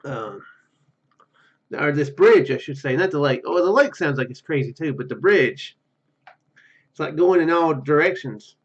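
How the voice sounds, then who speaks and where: A man's voice: a little high, lively intonation, normal speed, pauses often. Dull-sounding male gamer reading aloud. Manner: stumbles and self-corrects while reading. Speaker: gaming video host. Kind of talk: reading game narration aloud with casual commentary.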